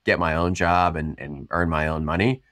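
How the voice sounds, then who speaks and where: A man born in Cameroon, a startup founder, talking through his story in a relaxed, chatty way with lots of ums and you-knows. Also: deep voice, moderate pace, no room sound, studio quality. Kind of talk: casual storytelling interview.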